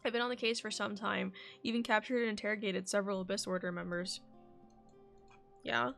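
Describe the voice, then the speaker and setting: Creaky-voiced woman streaming a game. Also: medium pitch, steady tone, a little fast, fairly bright tone. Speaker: live streamer. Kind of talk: casual game stream commentary, reading dialogue aloud. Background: game music.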